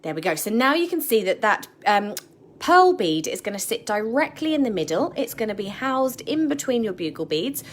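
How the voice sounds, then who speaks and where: A woman with a croaky voice teaching a live beading tutorial, chatty and full of ums and self-corrections, with a British English accent. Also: on the high side, big pitch swings, moderate pace, a little hiss or hum.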